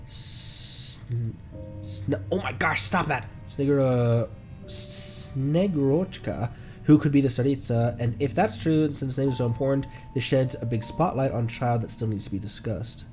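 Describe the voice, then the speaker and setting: A young man streaming a game in casual chat, congested and stuffed up, rambling with many ums and breaking into sudden excited outbursts. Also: mid-range voice, moderate pace, soft background music.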